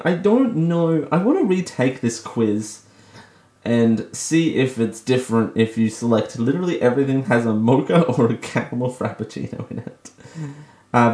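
An Australian man hosts a radio show alone, chatting casually, making jokes at his own expense and laughing often. His medium-pitched voice has vocal fry and a darkish tone, and the room sounds echoey.

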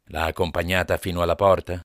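A man voicing a grave police inspector who questions calmly in short, clipped lines. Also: low-pitched, fast, dry recording, studio quality. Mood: probing.

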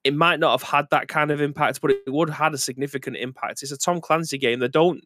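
A man's voice: on the high side, fairly even intonation, fast, pushed and bright. A man co-hosting a video game podcast in casual chat, rambling and correcting himself as he thinks aloud. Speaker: podcast co-host.

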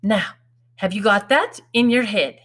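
A woman's voice: mid-range voice, unhurried, fairly bright tone, pitched above the performer's own voice. A woman voicing a proud, fussing working-class mother who drills and scolds her children in folksy, ungrammatical speech in a storybook reading. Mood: bossy, instructing.

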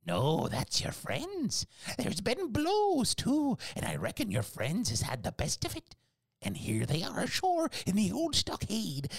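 A woman voicing an old male castaway, cunning and eager, with a raspy voice and a sing-song rustic way of talking. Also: no echo, full character voice. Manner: sing-song rustic speech with wild pitch swings. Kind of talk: audiobook character voice.

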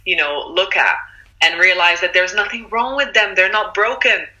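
A woman's voice: moderate pace, crowd noise, rough recording. A woman from Morocco, an author speaking earnestly and encouragingly in a casual interview. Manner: earnest and encouraging, animated rises in pitch. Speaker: author and guest.

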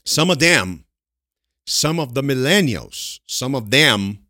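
Teaching English with a Brazilian Portuguese accent, this man drops into Portuguese for explanations, repeats words slowly, and answers the questions he puts to his students. His medium-pitched voice is sing-song, bright, and forceful, captured in clean studio sound with no room tone.

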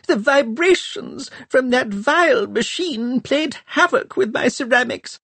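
A man voicing a fussy old male scholar who whines in a high, quavering voice. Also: animated, a little slow, creaky, sharp tone, no room sound, heavily acted. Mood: whining.

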